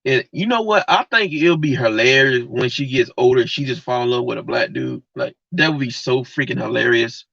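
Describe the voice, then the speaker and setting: A man's voice: medium pitch, moderate pace, creaky, few pauses, fairly bright tone, dry recording. A man hosting a livestream, giving a blunt, heated, slangy rant straight to his viewers. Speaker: livestream host. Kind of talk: casual slangy rant to live chat. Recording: dull lo-fi mic.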